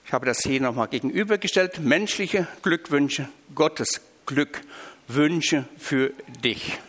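A man from Switzerland, preaching a sermon with emphatic, drawn-out stressed phrases. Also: on the high side, fairly bright tone. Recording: reverberant hall.

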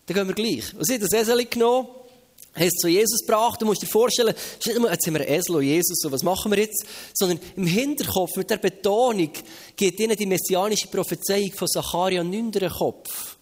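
A man with a Swiss German accent and a high voice preaches a lively sermon. He tells a Bible story, acting out the crowds and bystanders with animated flair.

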